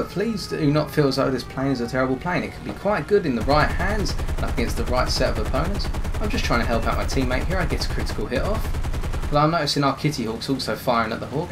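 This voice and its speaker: Hoarse-voiced man narrating gameplay. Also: medium pitch, noisy background. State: hoarse, losing his voice. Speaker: gameplay commentator. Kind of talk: game commentary over gameplay.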